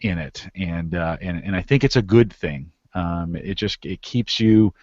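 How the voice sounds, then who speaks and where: A man's voice: low voice, unhurried, darkish tone, no room sound. A man who podcasts, talking conversationally as an interview guest and explaining things with repeated phrases for emphasis. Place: live video call. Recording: dull lo-fi online call audio.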